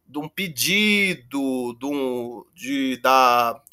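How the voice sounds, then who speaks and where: A man teaching Greek in a casual online lesson, halting and self-correcting, reciting verb endings slowly. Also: mid-range voice, animated, bright, forceful tone, smooth.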